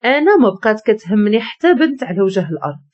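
A man's voice: high voice, sing-song, very fast, highs cut off. A woman voicing a cold, curt young man who speaks with a Moroccan Arabic accent in a storytelling narration. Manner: cold and sharp.

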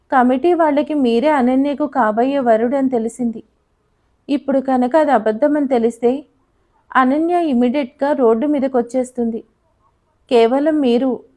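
A woman voicing a gentle older male family friend in an audio story, speaking politely and imploringly. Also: high-pitched.

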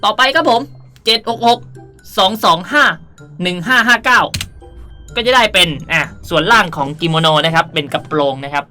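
A woman presents a game tutorial in a casual, chatty way. Her voice is bright and her pitch moves in lively swings. She comes across as playful and polite, with music playing behind her. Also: normal speed. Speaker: gaming video host.

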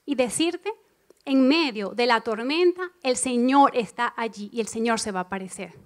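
High-voiced, emphatic woman preacher. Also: normal speed. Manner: emphatic, repeats key phrases; expressive, acts out inner voices. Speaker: church speaker. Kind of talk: evening church sermon. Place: church congregation.

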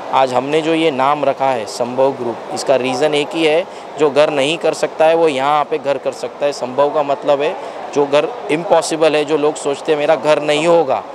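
A man in his thirties makes a steady sales pitch into a handheld mic. His voice stays level, with little rise and fall. Loud expo chatter and bustle sit behind him. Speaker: company director. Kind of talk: interview at an expo stall. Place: busy indoor property expo. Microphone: handheld news mic, close. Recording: crowd noise of an expo hall.

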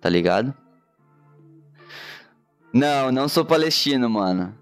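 A man's voice: medium pitch, expressive, a little slow, soft background music. A man in his thirties with a gaúcho Brazilian accent, chatting casually and slangily on a live stream while he draws. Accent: gaúcho Brazilian Portuguese. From Rio Grande do Sul, Brazil. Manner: slangy and laid-back, constant filler tags. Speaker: graphic designer and streamer. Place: home studio room indoors. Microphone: headset.

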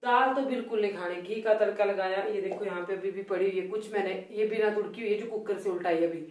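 A middle-aged woman with a Himachali Hindi accent chats loudly and grumbles a little while she cooks. Her voice sits at an average pitch. It comes from a phone placed some way off in a home kitchen, with a roomy echo around it. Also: fast talker. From Himachal Pradesh, India. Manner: chatty, complaining, talks loudly. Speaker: cooking vlogger. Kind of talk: casual cooking vlog chat. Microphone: phone placed away from her. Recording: roomy phone audio from a distance.

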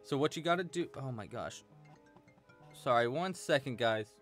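A chatty young man leads a live crochet lesson from home, his voice rising and falling in an animated way. He jokes and answers chat as he works at a desk mic. Soft music plays quietly behind him. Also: medium pitch, normal speed. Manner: chatty, playful, laughs often, reads chat aloud. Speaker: crochet teacher. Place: small room at home, indoors.

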